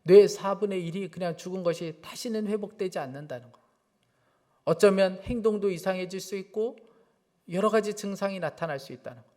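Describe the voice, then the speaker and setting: A man's voice: high-pitched, a little mellow. A man preaching a sermon as a church pastor, telling personal stories earnestly and rising into fervent preaching.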